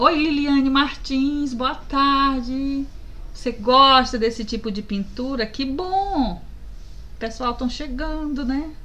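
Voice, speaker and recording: A woman projects a raised voice with a bright, sharp tone and high pitch. She speaks at a very slow pace with ordinary pitch variation. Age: 50s. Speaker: painting livestreamer. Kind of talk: live painting tutorial with chat. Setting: livestream. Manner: casual and chatty. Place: home room.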